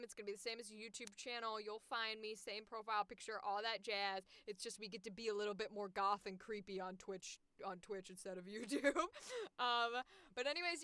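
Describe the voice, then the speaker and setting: A woman's voice: a little high, sharp tone, smooth, dry recording. A woman hosting a casual livestream, chatting informally and giggly as she addresses her viewers. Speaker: livestream host and voice actor. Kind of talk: casual livestream chat, signing off.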